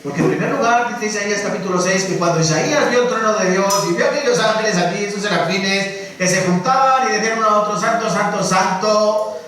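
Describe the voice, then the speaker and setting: A man preaching a Sunday sermon in a lively way, dropping to soft asides and rising to loud calls, acting out quotes. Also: high-pitched, fast, hardly any pauses, slight background noise. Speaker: pastor. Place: church hall. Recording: echoey church room from far off.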